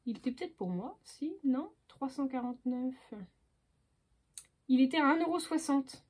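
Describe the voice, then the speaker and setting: A woman's voice: high-pitched, normal speed, a little mellow, breathy edge. A woman chatting casually as she unboxes craft stamps, hesitant and full of fillers, talking to herself as she sorts things. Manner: talks to herself while sorting items. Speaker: crafting vlogger.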